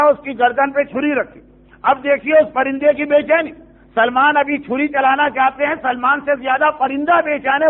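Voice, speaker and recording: A man delivers a storytelling sermon in a strikingly high voice, acting out quoted exchanges and breaking off for side remarks and rhetorical questions. The sound is narrow and tinny, as if heard over a phone line. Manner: narrates with quoted dialogue, asides and rhetorical questions. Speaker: preacher.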